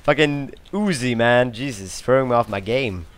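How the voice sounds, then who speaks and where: A young man from Sweden giving live gameplay commentary, excitable and swearing often, with sudden outbursts. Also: mid-range voice, normal speed.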